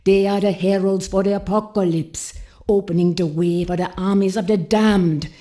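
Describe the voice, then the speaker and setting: A woman's voice: mid-range voice, steady tone, normal speed, warm tone, lightly acted. A woman voicing a bossy, no-nonsense mystic mentor in a video game, blunt, commanding and folksy. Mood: stern, ominous. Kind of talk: video game character acting.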